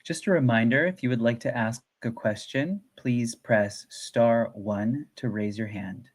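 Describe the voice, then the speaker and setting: A man's voice: mid-range voice, a little slow. Formal male conference call operator. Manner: formal, procedural. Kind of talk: scripted call announcements.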